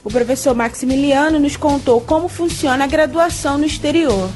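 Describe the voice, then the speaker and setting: A woman's voice: sits high, fairly quick, a little mellow, faint music behind. A young Brazilian woman, a student co-presenter, delivering scripted programme links. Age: young adult.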